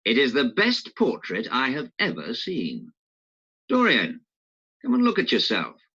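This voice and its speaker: A man reading an audiobook voices a witty, worldly gentleman who speaks in a breezy, assured way. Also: medium pitch, huge pitch swings, unhurried, breathy edge, pitched above the performer's own voice, full character voice. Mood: admiring. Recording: dull lo-fi recording.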